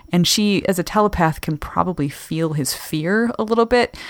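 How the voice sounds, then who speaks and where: A woman with a Canadian accent has a fairly low pitch, lively intonation and a plain, everyday voice. The recording is very clean, with a silent background and a dry, close sound with no echo. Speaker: podcast host. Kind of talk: casual chat.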